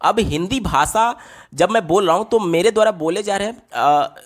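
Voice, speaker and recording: High-voiced male Hindi-medium teacher. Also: moderate pace. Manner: explains step by step, asks and answers his own questions, repeats "theek hai?"; writes on a board while explaining. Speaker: teacher solving exam papers. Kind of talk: exam-paper lesson explanation.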